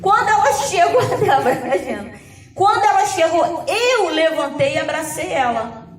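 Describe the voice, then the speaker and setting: Very high-voiced woman preaching in an echoey hall. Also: moderate pace, distant mic. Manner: animated storyteller, acting out dialogue. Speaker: pastor. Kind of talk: conversational sermon testimony. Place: church hall.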